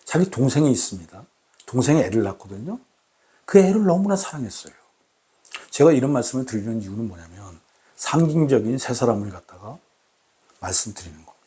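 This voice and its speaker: A man hosting his own channel, talking to camera in a formal, deliberate way with many repeated rhetorical questions. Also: mid-range voice, lively intonation, warm tone. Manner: repetitive, emphatic rhetorical questions. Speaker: channel host. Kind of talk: solo talk to camera.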